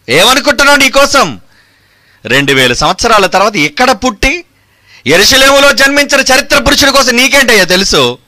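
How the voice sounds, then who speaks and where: A man's voice: sits high, sharp tone. A man preaching a fiery sermon, combative and mocking, firing rhetorical questions.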